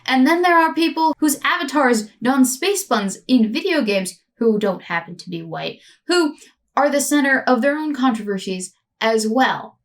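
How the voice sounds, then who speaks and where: A woman's voice: high-pitched, lively intonation, moderate pace, recorded from a distance. A woman host narrating a scripted commentary video with a sardonic, mocking edge.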